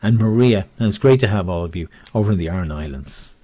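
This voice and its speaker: A man with a husky voice acts as bingo caller and host. His pitch swings in a lively way as he calls numbers with rhyming nicknames, drifting into jokey, rambling chat between calls. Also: fast talker, dry recording. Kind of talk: bingo calling with rhyming nicknames, casual banter.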